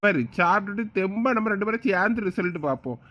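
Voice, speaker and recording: A man playing a soft-hearted village father who coaxes and defends his daughter. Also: sits high, animated, fast. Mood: coaxing. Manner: coaxing, pleading. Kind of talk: comedy skit acting.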